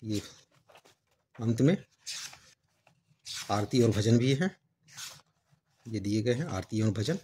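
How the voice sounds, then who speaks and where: A man's voice: fairly low pitch, lively intonation, slow pace, pauses often, dark tone, slight background noise. A man hosting his own channel, explaining a devotional book in a casual, conversational way and reading passages aloud. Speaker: channel host reviewing books. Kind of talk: casual book review talk.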